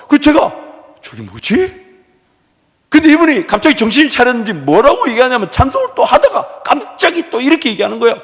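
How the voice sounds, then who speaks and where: A male pastor preaching a sermon, moving between hushed, whispered prayer and loud, animated storytelling. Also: very high voice, quick pace, hardly any pauses. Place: church sanctuary. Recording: echoey church hall.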